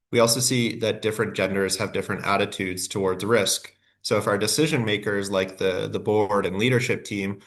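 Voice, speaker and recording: A man's voice: fairly low pitch, fairly bright tone. A man with a head cold and a nasal voice, giving a scripted workshop presentation with frequent fillers and self-corrections.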